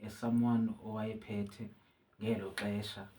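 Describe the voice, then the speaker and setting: A man with a South African accent, a musician being interviewed, talking casually with frequent pauses and restarts. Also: on the low side, background noise. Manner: relaxed, halting with many restarts. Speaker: musician guest. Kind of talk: casual interview, code-switching.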